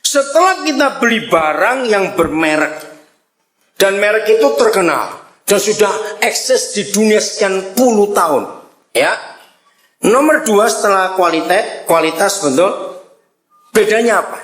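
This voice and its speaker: An older man preaching a sermon to a congregation in a lively, joking way, often checking in with his listeners. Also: high-pitched, measured pace, echoey room. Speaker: pastor. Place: church before a congregation.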